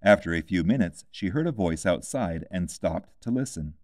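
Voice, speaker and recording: A man's voice: low voice, lively intonation, normal speed, darkish tone, dry recording, studio quality. A man reading a classic children's story aloud as scripted audiobook narration. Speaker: audiobook reader.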